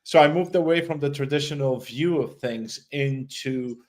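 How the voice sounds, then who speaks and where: A man from Lebanon who grew up speaking Arabic. He is hosting a podcast over a video call and talks in a reflective, halting way, with many restarts. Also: medium pitch, a little mellow. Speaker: podcast host. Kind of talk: casual podcast chat.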